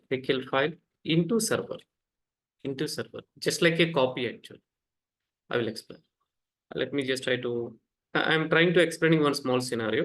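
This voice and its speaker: A man teaching a live online class, repeating points, tacking "actually" onto sentences and asking students to answer back. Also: medium pitch. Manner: repetitive, fillers like "actually", quizzes students. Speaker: instructor. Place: home, rain outside.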